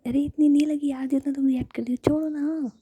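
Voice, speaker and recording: A woman's voice: high voice, level tone, fast talker, dark tone, pitched above the performer's own voice, natural voice. A woman whispering the lines of a cheerful, stubborn young woman who plays down her own injury in a told story. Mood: coaxing. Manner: whispered, coaxing.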